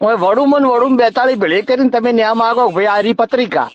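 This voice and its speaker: A man's voice: extremely high pitch, quick pace. A man with a rural North Gujarati accent, explaining and recounting insistently in a phone conversation. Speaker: community organiser. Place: phone call. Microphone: telephone. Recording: muffled recorded phone call.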